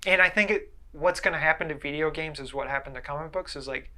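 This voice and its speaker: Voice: mid-range voice, fast talker, bright, forceful tone. A co-host of a movie review show chatting casually, in an informal, wry way. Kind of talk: casual chat about movies.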